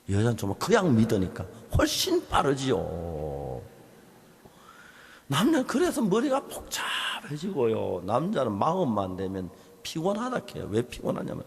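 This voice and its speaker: A male pastor gives a sermon in a gravelly voice, his pitch leaping high and dropping low as he tells a story. He acts out both sides of conversations. He swings between loud bursts and hushed, whispered asides. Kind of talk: sermon at a Bible seminar.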